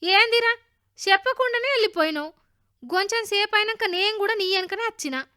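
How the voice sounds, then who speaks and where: A woman's voice: very high-pitched, fairly quick, sharp tone, voice pushed up. Woman doing an earnest village boy, Telangana accent. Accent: Telangana Telugu. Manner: earnest, pleading. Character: honest, caring village boy Lingadu.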